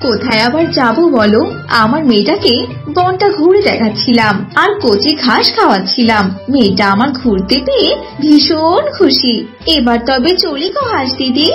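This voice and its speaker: A woman voicing a devoted mother deer in a children's cartoon, with an expressive, emotive delivery. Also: high voice, moderate pace, soft background music. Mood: pleased.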